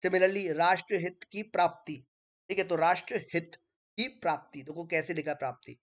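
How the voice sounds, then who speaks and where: A man's voice: sits high, normal speed, fairly bright tone. A man teaching an informal online exam-prep lesson, explaining step by step while writing on screen and checking in with listeners. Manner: chatty, keeps checking in with listeners.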